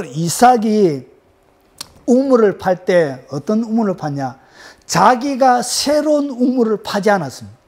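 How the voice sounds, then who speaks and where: A male pastor preaching a sermon, firing rhetorical questions at the congregation and breaking into loud shouts of praise. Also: high voice.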